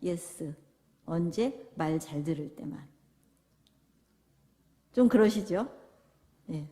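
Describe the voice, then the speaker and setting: A woman's voice: on the low side, expressive, slow, mellow. A woman giving a church parenting lecture, asking the audience questions and acting out parent and child dialogues. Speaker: parenting seminar speaker. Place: large church hall. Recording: reverberant hall.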